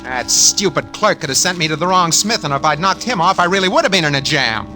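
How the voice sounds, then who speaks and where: A man's voice: a little high, very animated, fast. An actor playing a nervous, scheming man who narrates his own story in tense, hard-boiled style in a 1940s radio drama. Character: nervous scheming man posing as someone else. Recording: old radio broadcast with music.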